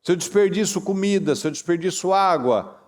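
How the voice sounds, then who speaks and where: A man preaching a sermon in a Brazilian Portuguese accent, emphatic and repetitive, with lively jumps in pitch. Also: a little fast. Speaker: pastor. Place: church meeting hall.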